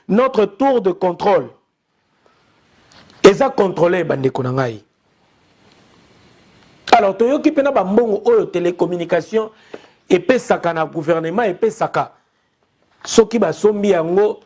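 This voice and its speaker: High-voiced young Congolese man urging listeners. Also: a little mellow. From Democratic Republic of the Congo. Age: young adult. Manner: urgent, repetitive, rallying appeals to listeners. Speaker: online TV commentator. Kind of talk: impassioned commentary to camera.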